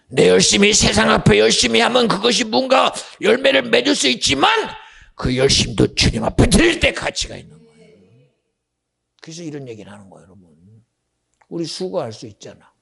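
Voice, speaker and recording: A middle-aged man preaching a sermon as pastor, talking directly to his congregation with questions, dropping to hushed asides and rising to shouts. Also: on the high side, gravelly, slightly rough.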